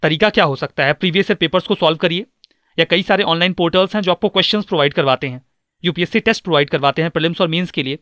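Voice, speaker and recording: High-voiced man giving earnest exam advice. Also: rapid-fire, fairly bright tone, no room sound. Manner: earnest, instructive, mixes English terms. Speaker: exam coach. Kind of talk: scripted advice talk.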